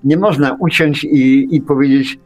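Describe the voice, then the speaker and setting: A man's voice: mid-range voice, fairly even intonation, normal speed. A man in a casual, opinionated radio discussion, chiming in with emphatic agreement. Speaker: radio talk co-speaker. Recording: music under the talk. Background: music.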